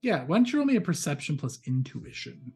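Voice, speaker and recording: A man's voice: on the high side, sing-song, a little fast, creaky, darkish tone, faint music behind. A man narrating a tabletop role-playing game as game master, in a casual, descriptive way.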